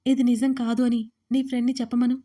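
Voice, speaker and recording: A woman's voice: on the high side, little pitch movement, quick pace, warm tone, lightly acted. A woman voicing a young man who pleads desperately and tearfully with the woman he loves, in an audio story. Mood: accusing.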